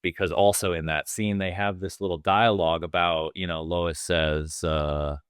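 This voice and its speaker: Lower-pitched man, smooth voice. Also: little pitch movement, moderate pace, no room sound, studio quality. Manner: enthusiastic, retells scenes at length. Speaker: podcast co-host. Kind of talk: casual movie podcast chat.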